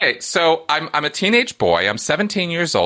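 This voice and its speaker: A man speaks at a moderate pace with a bright, sharp tone. His pitch swings very widely, and vocal fry creeps in. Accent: American. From California. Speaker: former cult member and author. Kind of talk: interview. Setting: video call.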